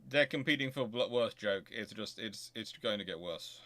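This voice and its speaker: Man talking off the cuff, halting and conversational. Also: on the low side, expressive, pushed and bright. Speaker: host of a naval history stream. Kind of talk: casual live question-and-answer talk.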